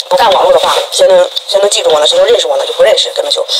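A woman talks at a very fast pace while noticeable background noise carries on behind her. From Shandong, China. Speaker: livestream food eater. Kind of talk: casual livestream chat while eating. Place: home room. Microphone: lapel.

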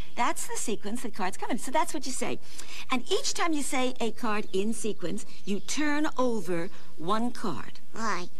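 A woman speaks at a high pitch and a fairly slow pace. Her pitch swings very widely. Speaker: children's TV host. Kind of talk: scripted children's show dialogue with puppet voice.

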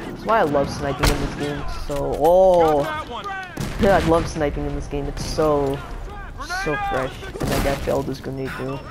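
The speech moves at a fairly slow pace beneath loud background noise. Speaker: gamer. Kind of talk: live gameplay commentary.

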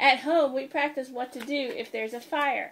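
A woman speaks in a high voice. Her pace is fairly slow. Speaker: preschool teacher. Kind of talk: read-aloud storytelling for children. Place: home room. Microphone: webcam.

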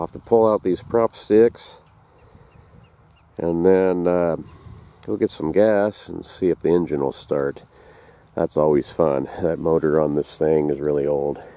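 With a very deep, low pitch and a dark, mellow tone, a man talks at a fairly slow pace, leaving long, frequent pauses. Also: ordinary pitch variation, dry sound with no echo. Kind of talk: casual vlog chat. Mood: relaxed, wry. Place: farm machine. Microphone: phone near.

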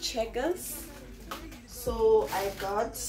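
Clear music plays behind the voice. The speaker is a woman. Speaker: vlogger. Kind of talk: casual vlog chat. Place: kitchen. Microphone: camera far.

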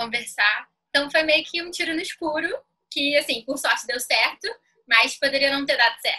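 Against a quiet background, a woman with a high-pitched, bright, sharp tone projects a raised voice at a moderate pace with ordinary pitch variation. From Brazil. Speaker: content creator and international relations student; content creator. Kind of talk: interview. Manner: animated. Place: home room. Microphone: video call.

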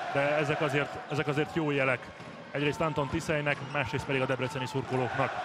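The delivery moves at a very fast pace with very even loudness. Noticeable background noise runs underneath. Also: man, fairly high pitch for a man. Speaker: handball commentator. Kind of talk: live sports commentary. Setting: sports hall, match broadcast. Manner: fast, animated.

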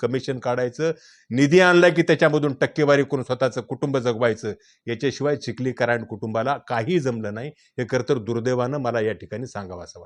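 A man talks in a normal speaking voice at a medium pitch. His pitch varies in an ordinary way, with big swings in loudness. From Nanded district, Maharashtra, India. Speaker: politician. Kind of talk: interview. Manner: forceful.

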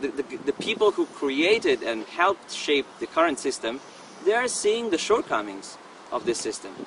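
A man speaks with an Italian accent. The sound is dry with no echo, and there is light background noise. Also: moderate pace. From Italy. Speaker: futurist author; interviewee. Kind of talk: interview. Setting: research center. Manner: halting. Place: street.

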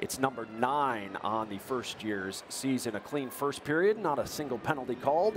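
A man's voice moves through very wide pitch swings. There is noticeable background noise. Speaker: studio sports anchor. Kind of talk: pregame show presenting; sports broadcast commentary. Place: stadium. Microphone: headset.

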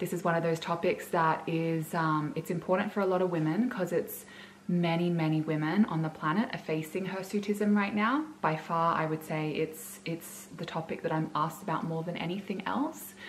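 A woman speaks at a moderate pace in a fairly low voice with ordinary pitch variation, over light background noise. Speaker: wellness vlogger. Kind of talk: casual vlog chat. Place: home room. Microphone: phone near.

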